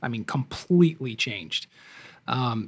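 A somewhat breathy man with an American accent, at a fairly slow pace. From Minnesota. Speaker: actor and film producer. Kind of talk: casual interview chat.

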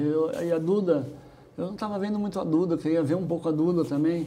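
Talking at a very fast pace, a man with a fairly high pitch keeps his intonation fairly even, with noticeable background noise and audible room echo. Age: 50s. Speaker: advertising executive. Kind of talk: casual interview.

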